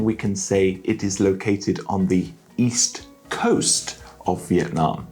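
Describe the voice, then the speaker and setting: A male English teacher talks with a lively, swinging pitch and keeps heaping praise on each phrase he teaches. He speaks clearly and deliberately, like a tutor guiding learners. Soft music plays faintly underneath. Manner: enthusiastic, heaps praise on phrases. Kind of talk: spoken English lesson.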